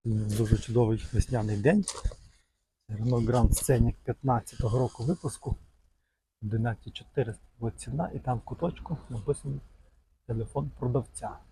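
A man's voice: medium pitch, normal speed, dark tone, slight background noise, low-quality recording. A man casually showing cars for sale at an outdoor market, chatting in a loose, rambling way with lots of fond little words. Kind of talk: casual walk-around commentary.

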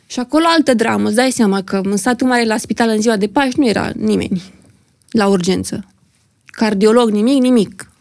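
A woman's voice: on the high side, creaky, darkish tone, no echo, clean studio sound. A young adult woman, a podcast guest, telling a personal story vividly and dramatically, acting out what other people said. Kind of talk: emotional personal storytelling in conversation. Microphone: podcast studio microphone.

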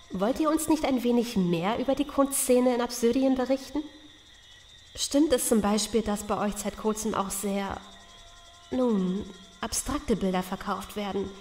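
A woman's voice: mid-range voice, a little mellow, natural voice. A woman playing a polite, inquisitive society lady in an audio drama, genteel and tactful. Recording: long reverb, noisy evening ambience.

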